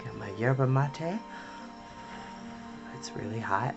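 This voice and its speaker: A man's voice: medium pitch, takes it slowly, vocal fry, lo-fi sound. A man hosting a casual story time livestream with sassy, campy drag-queen flair, chatting sweetly to viewers. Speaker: host of a live story time stream. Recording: music playing behind the voice. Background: soft ambient background music.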